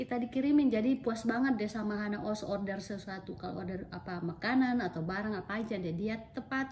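A woman talks at a very fast pace with hardly any pauses and ordinary pitch variation, over noticeable background noise. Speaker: food vlogger. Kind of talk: casual vlog chat. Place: home room.

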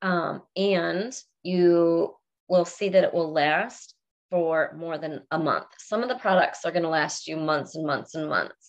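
Against a quiet background, a woman uses a plain, everyday voice with ordinary pitch variation at a fairly slow pace. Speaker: wellness product seller. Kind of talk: casual livestream product talk. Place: home room. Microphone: webcam.

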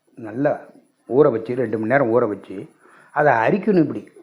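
A man's ordinary speaking voice with lively intonation. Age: 60s. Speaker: YouTuber sharing memories. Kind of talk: casual storytelling monologue.

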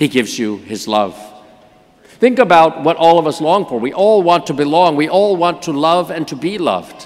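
A man speaks at a moderate pace. His tone is warm and his intonation lively. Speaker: bishop. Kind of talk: homily at a confirmation Mass, preaching to youth and sponsors. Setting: church. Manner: warm, lightly humorous, then earnest and exhortative. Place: church. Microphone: podium.

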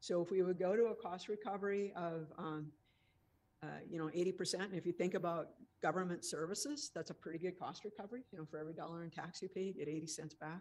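Very fast delivery with ordinary pitch variation. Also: woman, fairly low pitch for a woman. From North Dakota. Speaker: parks and recreation official; presenter. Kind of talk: public meeting presentation. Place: hall.

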